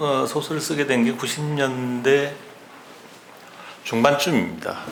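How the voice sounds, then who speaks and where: Speaking at a very slow pace, a man is heard with audible room echo and noticeable background noise. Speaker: novelist. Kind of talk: lecture Q&A answer.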